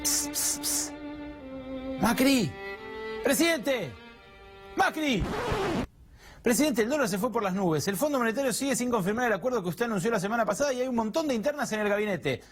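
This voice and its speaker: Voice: medium pitch, expressive, very fast, hardly any pauses. Mocking sing-song satirical narrator. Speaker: voice-over narrator. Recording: music bed under voice.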